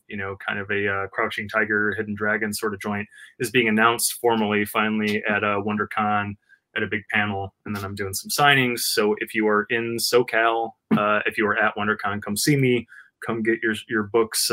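A man's voice: fairly low pitch, sharp tone. A man co-hosting a podcast, chatting casually and rambling with lots of filler words and jokes. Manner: rambling, full of "uh" fillers, jokey. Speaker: podcast co-host.

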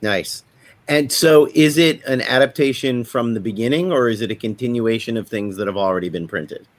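A man's voice: mid-range voice, moderate pace, dry recording. A man co-hosting a podcast in casual, conversational chat. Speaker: podcast co-host.

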